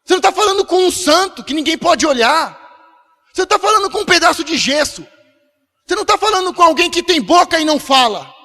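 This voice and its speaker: A male pastor preaching an emphatic sermon. He shouts at the peaks and acts out prayers. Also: extremely high pitch, expressive, fast talker. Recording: long hall reverb.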